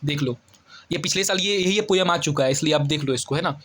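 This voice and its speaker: Young man, exam tutor, casual lesson, slightly high voice, chatty, keeps checking in with students. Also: fairly bright tone. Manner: reads English exam sentences out slowly and deliberately.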